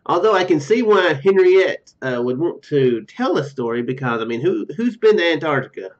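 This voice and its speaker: Lively rambling man, slightly muffled sound. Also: a little high, normal speed. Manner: rambling, joking asides. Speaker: video game streamer. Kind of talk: casual let's play commentary, reading game text aloud. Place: small room at home, indoors. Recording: dull lo-fi home mic, music behind. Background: game music.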